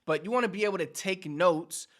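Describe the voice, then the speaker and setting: A Puerto Rican man with a Puerto Rican accent gives an upbeat Spanish lesson straight to the viewer. His voice sits a little high and rings bright and forceful. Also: a little fast. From Puerto Rico. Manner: upbeat, instructive, addresses viewers directly. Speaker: Spanish teacher. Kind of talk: direct-to-camera language lesson.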